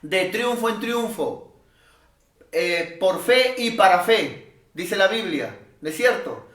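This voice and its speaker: A man preaching a sermon as pastor, emphatic, swinging from loud calls to quiet asides. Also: high voice, expressive, slow, roomy sound. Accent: Peruvian Spanish.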